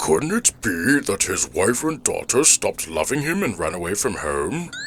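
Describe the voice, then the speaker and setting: Using a put-on character voice, a man talks at a moderate pace with a fairly high pitch. Clear background noise can be heard. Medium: dub.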